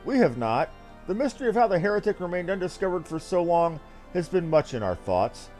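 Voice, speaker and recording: A man reading a fantasy game script aloud in a formal, theatrical, measured delivery. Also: sits high, very animated, darkish tone, faint music behind.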